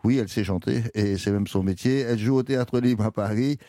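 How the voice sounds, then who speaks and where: A man's voice: lowish voice, a little fast, dark tone, no room sound, studio quality. A man hosting a radio show, chatting and asking curious questions. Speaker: radio host.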